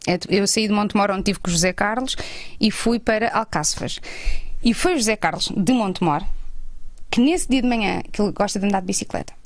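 Fast-talking Portuguese woman telling stories. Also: medium pitch, no room sound. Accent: European Portuguese. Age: 30s. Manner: lively, animated storyteller. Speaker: guest. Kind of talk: casual storytelling chat.

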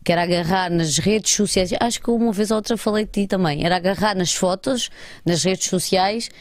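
A woman's voice: medium pitch, brisk, dry recording. A woman comedian and presenter with an Alentejo Portuguese accent, chatting casually in an interview and acting out quoted voices.

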